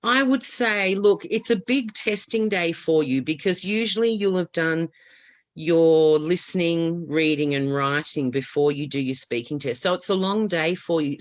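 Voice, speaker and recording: A woman's voice: fairly low pitch, no echo. Reassuring woman explaining test tips. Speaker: IELTS expert guest. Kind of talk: webinar advice.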